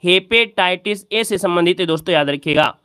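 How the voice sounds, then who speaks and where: Guy tutoring exam prep, high clear voice, keeps asking and repeating the answers. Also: fairly quick, sharp tone. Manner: repetitive, quizzing the viewer and repeating key answers. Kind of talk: exam practice lesson.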